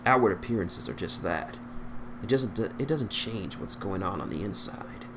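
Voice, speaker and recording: A man voicing a calm, wry, philosophical soldier from fan fiction, on a noisy recording. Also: lowish voice, normal speed. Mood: earnest. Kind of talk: fan fiction character reading.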